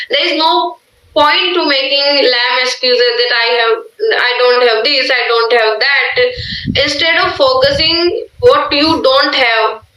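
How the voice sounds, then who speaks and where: A woman's voice: high-pitched, sharp tone, roomy sound, low-quality recording. A woman with an Indian English accent talking earnestly on a video call, often restarting her sentences. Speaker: English learner on a practice call. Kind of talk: casual conversation practice.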